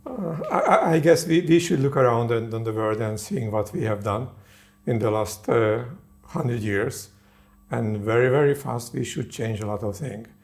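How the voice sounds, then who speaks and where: At a moderate pace, a man speaks somewhat breathily at medium pitch with ordinary pitch variation. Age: 60s. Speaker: research scientist. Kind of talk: interview. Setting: on location in a lab facility. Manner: halting.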